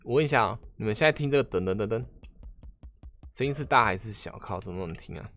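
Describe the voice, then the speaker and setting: A man's voice: fairly low pitch, animated, quick pace, fairly bright tone. A man with a Taiwanese Mandarin accent chatting casually on a live game stream, asking viewers questions and often trailing off and restarting.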